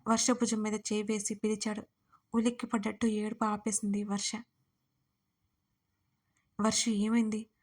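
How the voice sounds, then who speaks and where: A woman narrating an audio romance story in a soft, steady reading voice. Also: medium pitch, brisk.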